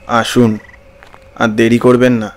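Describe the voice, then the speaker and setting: A man playing a sinister ghostly village servant in an animated horror story, deferential yet insistent and menacing. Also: medium pitch, slow pace, lightly acted. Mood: eerily calm.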